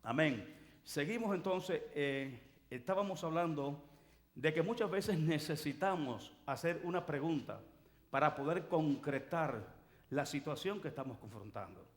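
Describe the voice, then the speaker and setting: Emphatic pastor, raised pitch. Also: male voice, lively intonation, a little slow. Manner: emphatic preaching that swells louder at key points. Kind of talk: sermon. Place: church sanctuary.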